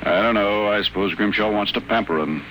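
An actor playing a wry, wary sanitarium patient with a dry, articulate delivery in a 1950s radio drama. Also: male voice, on the low side, brisk, a bit bright, natural voice, low-quality recording. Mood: sardonic. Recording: old 1950 radio broadcast, faint noise.

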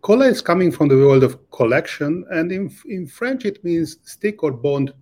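A man's voice: fairly high pitch, lively intonation, moderate pace, darkish tone. A man from Hungary with a Hungarian accent, an earnest startup founder answering interview questions in slightly non-native English.

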